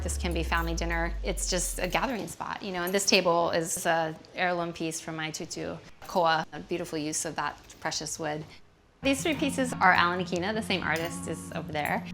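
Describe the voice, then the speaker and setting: Chatty woman with soft music. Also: on the low side. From Hawaii. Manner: chatty and warm, laughs often, drifting tangents. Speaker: homeowner giving a house tour. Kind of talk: casual home tour chat.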